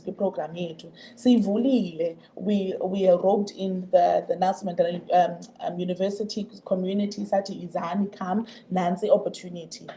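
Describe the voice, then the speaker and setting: Interviewee: woman, Xhosa South African accent, low-leaning and very soft-toned, halting explainer, slight background noise. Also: low-quality recording. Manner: halting, repeats words while explaining. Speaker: programme representative being interviewed. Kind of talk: radio interview, mixing two languages.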